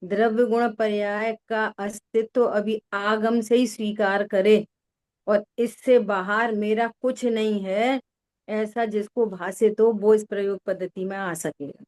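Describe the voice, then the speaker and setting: Slow-spoken woman teaching scripture. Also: medium pitch, fairly even intonation, a little mellow. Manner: asks listeners questions, repeats key words. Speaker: spiritual teacher. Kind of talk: slow religious discourse with listener check-ins.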